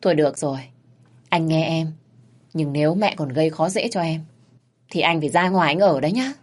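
A woman voicing a gentle, protective young husband who speaks softly and soothingly. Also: low voice, a little fast. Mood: tender. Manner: soft, soothing.

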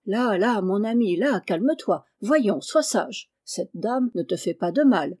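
Woman reading a soothing, scheming gentleman. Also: mid-range voice, expressive, a little slow, breathy edge, no room sound, studio quality. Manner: soothing, reassuring.

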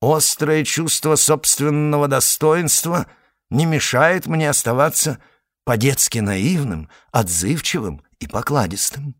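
A man voicing a small, fat, proud male detective from the south who speaks with a put-on foreign accent and a flowery, quick-tempered manner. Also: a little high, no echo, clean studio sound, pitched above the performer's own voice.

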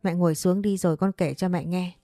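A woman's voice: fairly low pitch, fairly even intonation, a little fast, mellow, no room sound, clean studio sound, lightly acted. A woman voicing an earnest young man of twenty-seven who is haunted by a ghost, in a spoken ghost story.

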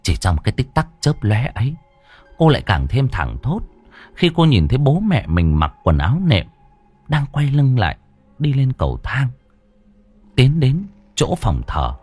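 A man's voice: huge pitch swings, unhurried, a little mellow, breathy edge, faint music behind. A man narrating a ghost story dramatically. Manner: dramatic, swinging pitch.

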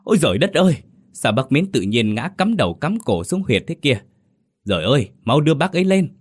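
A man voicing a panicked mourner who shouts frantically for help. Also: medium pitch, big pitch swings, a little fast, slightly rough, voice pushed up. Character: panicked mourner at a village funeral.

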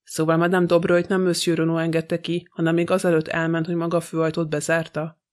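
Guy doing a stern impatient magistrate, brisk questions, flat voice. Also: a little high, close to an everyday voice. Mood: questioning.

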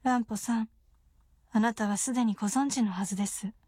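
An actress voicing a woman living on an artificial heart, speaking calm, measured and firm in a radio drama. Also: on the high side, no echo, natural voice. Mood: cold. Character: second woman with an artificial heart, cold and resolved. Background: music.

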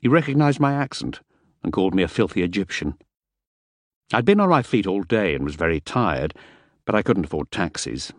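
A man reading a first-person novel aloud as an audiobook narrator, measured and wry. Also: deep voice, sing-song, dry recording, studio quality.

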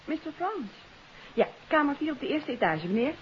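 An actress playing a polite, chirpy hotel receptionist in a 1950s radio drama. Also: female voice, high-pitched, big pitch swings, moderate pace. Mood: polite, bright. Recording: muffled, faintly noisy 1950s radio recording.

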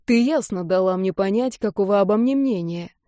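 A woman's voice: mid-range voice, moderate pace, dark tone, dry recording, studio quality, close to an everyday voice. Woman reading a weary, mocking young man. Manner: tired, mocking, clipped.

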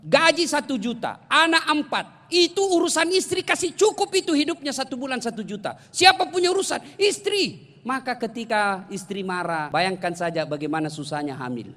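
Male preacher, high voice, comic storyteller who talks straight to the crowd, long echo of a big hall. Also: normal speed. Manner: jokey, animated storytelling, addresses the audience directly. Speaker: Islamic preacher. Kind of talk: humorous sermon to a congregation.

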